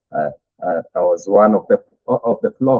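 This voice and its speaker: A man with a strong Kenyan accent. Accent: thick Kenyan. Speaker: pastor and leadership coach. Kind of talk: interview. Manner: halting, many fillers.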